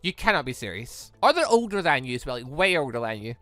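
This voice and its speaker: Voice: medium pitch, sing-song, fast talker, bright, forceful tone, no room sound. A gaming YouTuber giving casual, rambling and exclamatory commentary on a game. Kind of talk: casual game commentary with read-aloud dialogue.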